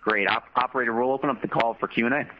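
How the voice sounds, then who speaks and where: A man's voice: mid-range voice, racing. A man moderating an earnings call, handing over to speakers and reading out submitted questions. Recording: muffled call audio with faint noise.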